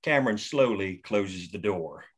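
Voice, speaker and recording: A man reading screenplay stage directions at a table read in a steady, matter-of-fact way. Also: deep voice, a little slow, husky. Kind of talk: reading screenplay action lines.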